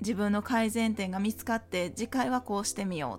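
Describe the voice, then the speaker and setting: A woman speaks in a relaxed tone at a medium pitch and a moderate pace. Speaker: podcast host and forex trader. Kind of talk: casual solo chat.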